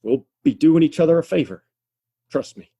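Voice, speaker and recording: An actor playing a weary, resolute saloon keeper in a Western audio drama, plainspoken, gruff and emphatic. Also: male voice, a little high, moderate pace, warm tone. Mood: defiant, resolved.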